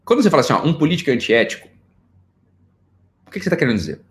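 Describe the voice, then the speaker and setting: A man's voice: fairly high pitch, very fast. A middle-aged Brazilian man giving an informal psychology lecture, joking and firing off rhetorical questions. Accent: Brazilian Portuguese. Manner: animated, jokey, rhetorical questions.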